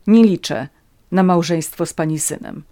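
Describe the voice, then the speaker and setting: A woman's voice: fairly low pitch, measured pace, a little mellow. A woman voicing a proud young woman who answers with bitter defiance. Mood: defiant.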